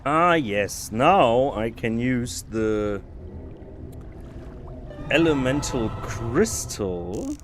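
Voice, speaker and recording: Slow, musing male game streamer. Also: mid-range voice, big pitch swings, music in the background. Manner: musing to himself, chatting with viewers, stumbling restarts. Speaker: podcast host streaming a game. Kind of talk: casual live gameplay commentary.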